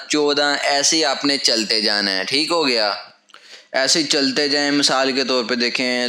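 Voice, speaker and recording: A man's voice: medium pitch, bright, forceful tone. A man teaching a lesson at a whiteboard. He explains patiently, step by step, and repeats his key phrases. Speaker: language teacher. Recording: echoey room.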